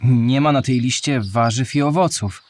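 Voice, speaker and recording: A man acts out an inquisitive young male character in a children's audio play. He sounds naive and curious, speaking at a medium pitch in scripted dialogue. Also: fairly even intonation, normal speed, a little mellow, no echo, natural voice. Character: curious young male listener asking about history.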